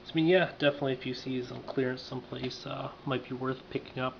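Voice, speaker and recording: A man's voice: mid-range voice, steady tone, fast talker. A man casually reviewing a toy figure in a dry, offhand, self-mocking way, in a lo-fi home recording with faint hiss.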